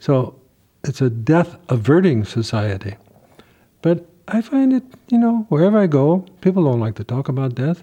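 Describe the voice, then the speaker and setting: A man with an American accent, somewhat breathy, at a moderate pace with very wide pitch swings. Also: fairly high pitch for a man. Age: 70s. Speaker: hospice chaplain. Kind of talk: casual interview.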